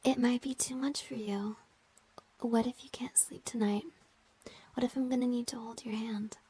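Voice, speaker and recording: A woman playing a playful, flirty crush in an intimate ASMR roleplay, speaking in a soft, breathy whisper with a teasing, hesitant manner. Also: fairly high pitch, steady tone, normal speed. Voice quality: breathy, mostly unvoiced whisper.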